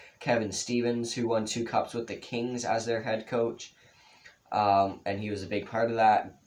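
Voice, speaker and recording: A man talks at a moderate pace with monotone, flat intonation. Noticeable background noise can be heard. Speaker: sports commentary vlogger. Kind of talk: casual monologue. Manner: hesitant, many fillers.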